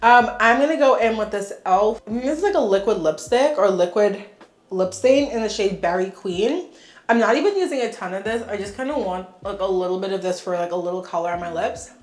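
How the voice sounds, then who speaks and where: A young woman talks in a frank, chatty way, her voice a little stuffy from congestion. She sits at a middle pitch in a room that gives her voice a noticeable echo. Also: lively intonation, brisk. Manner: chatty, frank, laughs often. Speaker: beauty vlogger. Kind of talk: casual get-ready-with-me chat. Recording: echoey room.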